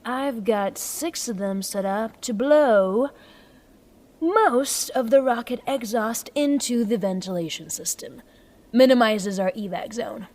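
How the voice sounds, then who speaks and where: A scrappy, upbeat engineer in a naturalistic sci-fi audio drama. Her voice sits fairly high, and she talks in a wry, rambling way. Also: slow pace, a little mellow. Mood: wry, breezy. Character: scrappy upbeat engineer woman on a doomed earth.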